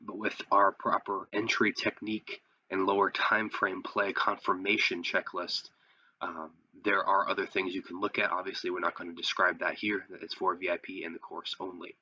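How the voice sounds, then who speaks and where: A man's voice: sits low, flat delivery, moderate pace, sharp tone, dry recording, muffled recording. A man who sounds sick, giving a casual tutorial as host and explaining things step by step with rhetorical questions. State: sick, voice affected by illness. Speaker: host, trading instructor. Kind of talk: casual tutorial commentary over trading charts.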